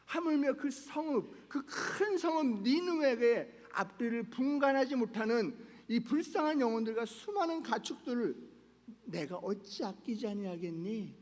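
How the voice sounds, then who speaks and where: A man voicing a patient, gentle God who speaks calmly and tenderly, in a large echoing church hall. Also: very high voice, normal speed, heavily acted. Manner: calm, tender, pleading.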